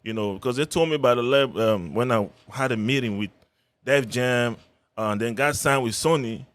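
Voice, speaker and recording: A man's voice: mid-range voice, moderate pace. Man, friendly, rambling, lots of fillers. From Cameroon. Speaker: musician guest. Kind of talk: casual radio interview. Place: radio studio.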